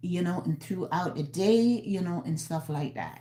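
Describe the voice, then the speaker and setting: A woman's voice, somewhat breathy. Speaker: vlogger. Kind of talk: casual livestream talk. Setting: livestream. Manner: imprecise pronunciation.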